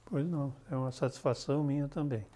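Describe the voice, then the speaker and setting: Mellow older southern Brazilian man. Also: mid-range voice, steady tone, fast. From Santa Catarina, southern Brazil. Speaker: interview guest, retired army colonel. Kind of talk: conversational recollection.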